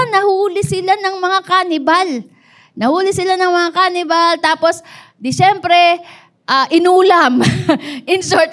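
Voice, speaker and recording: High-voiced Filipina woman preaching. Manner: animated storytelling with call-and-response. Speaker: pastor. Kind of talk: sermon.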